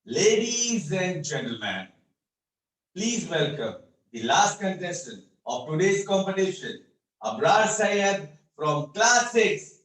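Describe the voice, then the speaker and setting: Male contest speaker, fairly high voice, slow emphatic stage delivery, recorded in a reverberant room. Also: big pitch swings, fairly bright tone. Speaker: speech contestant. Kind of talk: rehearsed motivational contest speech. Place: indoor room on a video call. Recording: echoey room, distant microphone, online meeting.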